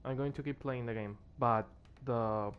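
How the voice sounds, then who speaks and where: A man's voice: mid-range voice, fairly even intonation, measured pace, clean tone, muffled recording. A tired man streaming a game, losing his voice and rambling as he plays, with faint music behind him. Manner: rambling, restarts when moved. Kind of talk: casual gameplay commentary.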